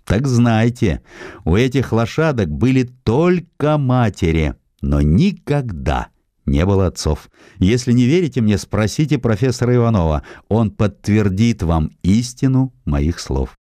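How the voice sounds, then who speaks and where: A man's voice: on the low side, sing-song, a little slow, warm tone, no room sound, clean studio sound. A man voicing a proud, principled estate owner who guards his animal reserve, declaiming firmly in an audiobook. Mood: teasing, assured.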